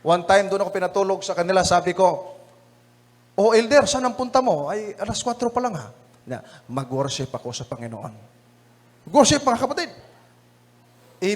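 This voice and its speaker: Animated and high-voiced, a Filipino-accented preacher speaks at a moderate pace through a lesson-review sermon. He's chatty and laughs often while sharing humorous anecdotes, repeatedly saying "mga kapatid" to the brethren.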